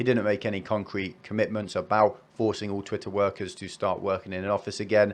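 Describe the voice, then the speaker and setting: The background stays quiet. Here a man talks with a fairly low pitch. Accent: British. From UK. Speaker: finance YouTuber. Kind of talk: market commentary monologue.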